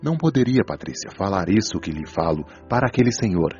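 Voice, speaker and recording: Male actor for wise spirit mentor in audio drama; deep-leaning, didactic, patient; lo-fi sound with music behind. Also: big pitch swings, a little mellow. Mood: solemn explaining. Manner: didactic, measured, solemn explanation. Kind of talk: audiobook radio drama acting. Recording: dull lo-fi audio over music.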